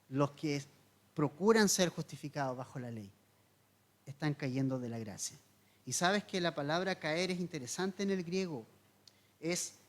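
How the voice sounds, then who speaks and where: Preaching verse by verse, a slightly high-voiced pastor teaches earnestly, questioning his audience and returning to his main points again and again.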